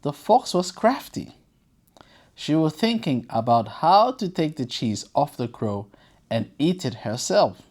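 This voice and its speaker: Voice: medium pitch, big pitch swings, unhurried, a little mellow. Children's read-aloud presenter, very varied intonation, informal and encouraging delivery. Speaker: storyteller and presenter. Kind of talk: children's read-aloud storytelling with casual chat to viewers.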